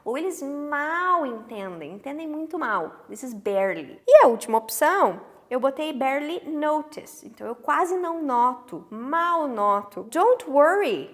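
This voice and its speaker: A woman with a Brazilian Portuguese accent teaching English phrases in a lively lesson. She says English examples slowly and often checks in with her students. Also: sits high. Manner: animated, stretches English examples slowly, frequent "tá?" check-ins.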